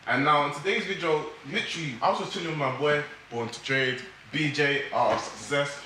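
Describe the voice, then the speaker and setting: A man's voice: a little high, a little fast, sharp tone, slight background noise. A young man hosting a channel in casual chat, upbeat and prompting his guest with questions. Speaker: host, YouTuber. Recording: echoey room.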